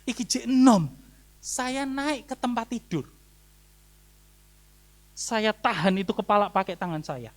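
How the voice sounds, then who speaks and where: Joking Javanese pastor preaching. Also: male voice, sits high, unhurried, pauses often. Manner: lively, joking, swings between loud and hushed. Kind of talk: humorous sermon storytelling.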